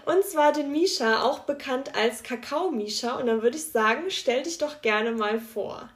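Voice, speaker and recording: Higher-voiced woman hosting in an echoey room. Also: a little slow. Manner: friendly, curious questions. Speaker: podcast host. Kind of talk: interviewing.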